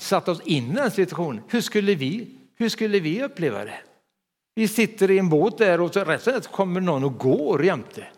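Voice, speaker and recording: A man preaching a sermon with fervor, often breaking into hallelujahs. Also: on the high side. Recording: long hall reverb.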